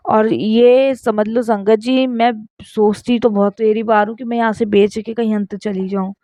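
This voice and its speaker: A woman's voice: fairly high pitch, steady tone, moderate pace, warm tone, dry recording. A woman in her thirties earnestly sharing a spoken devotional testimony, repeatedly addressing her listeners. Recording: dull lo-fi sound.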